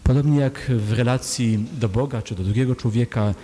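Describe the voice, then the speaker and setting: A man's voice: mid-range voice, moderate pace, warm tone. Earnest preaching man in an echoing hall. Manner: rhetorical questions, earnest and pleading. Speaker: priest. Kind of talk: sermon. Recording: long hall reverb, faint hum.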